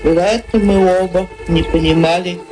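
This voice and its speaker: Radio drama narrator: older woman poet played by an actress, dignified, reflective, measured, with heavy music behind. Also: lowish voice, fairly even intonation, close to an everyday voice, poor audio. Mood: reflective, wistful. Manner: measured, literary. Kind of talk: radio play memoir narration.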